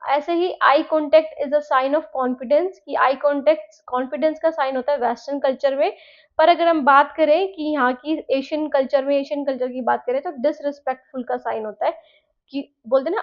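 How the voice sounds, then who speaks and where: High-voiced woman teaching. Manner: explains in Hindi mixed with English, many "है ना" check-ins; reads English points slowly from notes. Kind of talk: exam-prep lecture. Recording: dull lo-fi audio.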